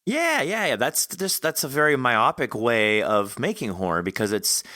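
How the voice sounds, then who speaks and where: A man's voice: mid-range voice, very animated, normal speed, sharp tone, no room sound, studio quality. A man hosting a podcast interview, talking casually and emphatically.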